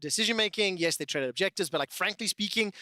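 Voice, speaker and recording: A play-by-play esports caster calling the action with excitement, then settling into analysis. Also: medium pitch, dry recording, studio quality. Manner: excited, rapid hype calls rising into analytical chat. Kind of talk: live esports commentary.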